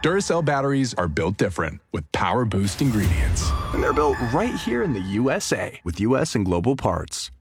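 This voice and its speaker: Male ad narrator, lively playful read, clear music bed underneath. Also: lowish voice, moderate pace, few pauses. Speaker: commercial voice-over. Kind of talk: scripted ad read.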